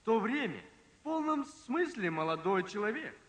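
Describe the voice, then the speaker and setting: A man preaching a sermon, telling a story with emphasis, slowing down and dropping low at dramatic moments. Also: very animated, a bit bright. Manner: emphatic, slows and drops pitch for drama. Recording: long reverb from a large hall.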